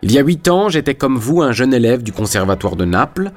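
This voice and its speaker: A man's voice: mid-range voice, very animated, brisk, faint music behind, pitched above the performer's own voice, close to an everyday voice. A man voicing a cheerful young Neapolitan singer with a playful, exaggerated Italian accent. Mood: gay, playful. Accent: Italian, played up. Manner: merry, playful storytelling.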